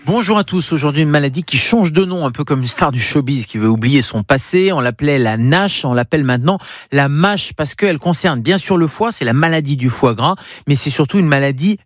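A man's voice: a little high, expressive, fairly quick, no room sound, clean studio sound. A man, a doctor, giving a radio health segment in an upbeat, teaching manner. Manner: didactic, upbeat, lists advice.

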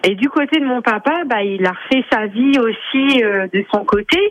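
A woman's voice: fairly high pitch, moderate pace. A woman in her forties calling a radio show, telling her story with many hesitations over a phone line. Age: 40s. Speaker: caller. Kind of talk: personal testimony on radio.

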